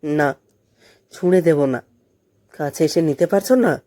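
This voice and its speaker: A woman's voice: deep voice, a little slow, mellow, dry recording, studio quality. A woman voicing an earnest, impatient young man, a college student in love, insistent and pleading, in an audio story.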